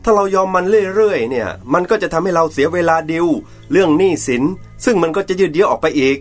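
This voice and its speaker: A man plays a domineering wealthy businessman and father with a high-set voice. He talks in a bossy, scolding, self-righteous way, and faint music plays under the drama scene. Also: lively intonation, quick pace. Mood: stern. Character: domineering rich middle-aged businessman father.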